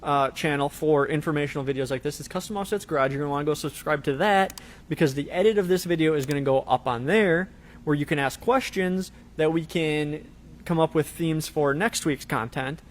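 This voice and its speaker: On a live show about truck parts, a male co-host talks in a loose, rambling way, full of fillers. He has a fairly high-pitched voice and a brisk pace. There's slight background noise.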